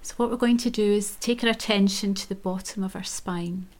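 A woman guiding a chakra meditation in a soft, gentle whisper. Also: medium pitch, fairly even intonation, fairly quick. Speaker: meditation guide.

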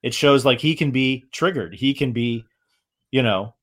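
A man with a medium-pitched voice chats about films as a host. He talks casually but haltingly, circling back over his phrases while he works out a point. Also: fairly bright tone. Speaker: film discussion host. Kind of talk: casual film commentary chat.

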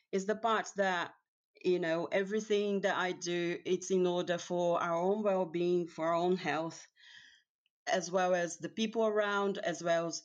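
A woman with a Brazilian accent, Portuguese by birth, answers interview questions in English at a middling pitch. She often pauses, restarts her sentences and laughs easily. The recording sounds dull and lo-fi. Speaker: guest, house cleaner. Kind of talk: casual interview chat.

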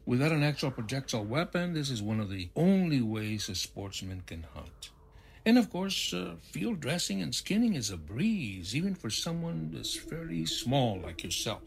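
Animated, polite shop salesman. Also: medium pitch, normal speed, vocal fry, a little hiss or hum. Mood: keen, selling. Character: obliging, wary male shop salesman selling hunting gear. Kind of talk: audio drama acting.

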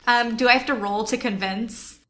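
A woman's voice: a little high, fairly even intonation, moderate pace, fairly bright tone. A young woman chatting casually as a player in a tabletop role-playing game, upbeat and giggly. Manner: giggly, upbeat, many fillers.

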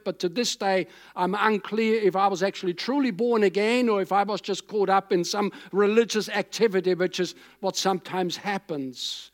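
Male pastor, 60s, fairly high voice; conversational sermon delivery that rambles and repeats for emphasis. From Austria. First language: German.

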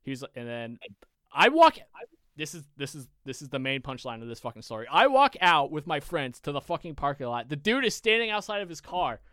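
A young man co-hosting a podcast, telling a long story in a casual, animated, profane way with many restarts. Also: fairly high pitch, fairly quick, clear, resonant tone, no room sound, studio quality. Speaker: podcast co-host.

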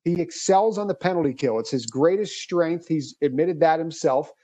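A man hosting a sports podcast, delivering measured, analytical narration. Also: fairly high pitch, warm tone. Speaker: podcast host.

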